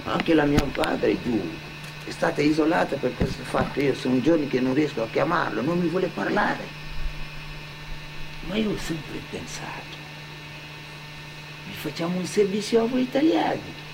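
An actor playing a defiant young immigrant drug dealer in a colloquial theatrical monologue, swearing and throwing out pointed questions. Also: male voice, fairly high pitch, expressive, normal speed, vocal fry, pauses often, noisy background. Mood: bitter. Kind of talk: theatrical first-person monologue.

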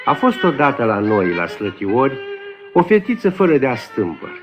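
A man's voice: medium pitch, huge pitch swings. A man telling a folk tale in a homely, lilting way, on a dull lo-fi recording. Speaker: storyteller. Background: faint guitar and fiddle music.

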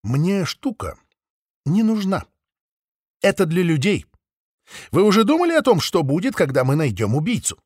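A man voicing Miss Maple, a curious, determined female sheep who insists on getting answers, in a raised, lively voice. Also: high-pitched, normal speed, pauses often, breathy edge, no room sound, clean studio sound, voice pushed up, heavily acted. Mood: eager. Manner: eager, insistent.

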